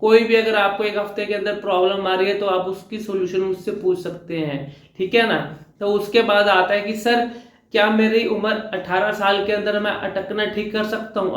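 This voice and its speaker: A speaking coach giving a reassuring vlog lesson to viewers, repeating phrases and mixing in English words. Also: male voice, high-pitched, a bit bright, echoey room.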